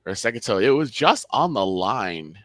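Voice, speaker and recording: A young man gives casual color commentary, breaking down calls in a chatty way. His voice is on the low side. It is recorded dry, with no room sound. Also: sing-song, moderate pace, a bit bright, no room sound. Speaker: sports show co-host.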